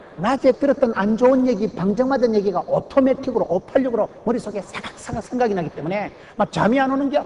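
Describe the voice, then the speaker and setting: Amid noticeable background noise, a man with an extremely high voice talks very fast and animatedly, with hardly any pauses and ordinary pitch variation. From central South Korea, rural mountain village. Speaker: pastor. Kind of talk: sermon. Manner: animated, humorous.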